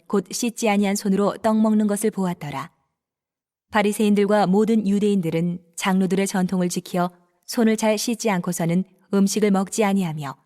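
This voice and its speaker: A woman narrating scripture in a steady, formal manner. Her voice sits at an ordinary middle pitch and her delivery stays even throughout.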